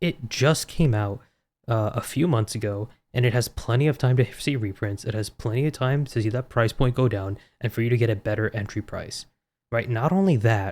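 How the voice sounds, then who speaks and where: This man has a medium pitch and ordinary pitch variation, and his voice is somewhat breathy. He talks at a moderate pace in a very clean recording with a silent background. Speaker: Pokemon card investing YouTuber. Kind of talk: casual talk to camera.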